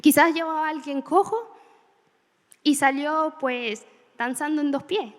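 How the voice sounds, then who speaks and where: A woman preaching a sermon, telling stories in an animated way with laughter. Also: high-pitched, unhurried, long reverb tail. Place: church hall.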